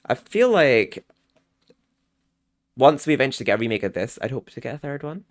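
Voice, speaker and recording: A man's voice: medium pitch, sing-song, a little fast. A young man giving casual let's-play commentary as a YouTuber, rambling and chuckling often. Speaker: gaming YouTuber. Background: game music.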